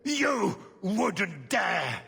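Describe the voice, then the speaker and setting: A man's voice: sits high, big pitch swings, very slow, gravelly, very noisy, exaggerated voice. A male actor playing a haughty, vengeful aristocratic villain in a video game, pompous and melodramatic. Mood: outraged.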